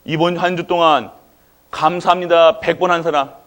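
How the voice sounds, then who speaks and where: A man preaches in church with a slightly high, fairly bright voice, keeping his intonation fairly even and his pace a little fast. He often quizzes the congregation, asking questions and waiting for them to answer back.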